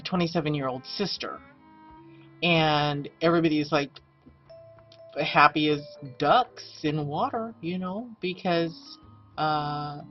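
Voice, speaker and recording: A woman in her fifties, an astrologer, chatting through a rambling personal update with many fillers. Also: sits low. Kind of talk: casual personal vlog update. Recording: dull lo-fi webcam audio, faint music.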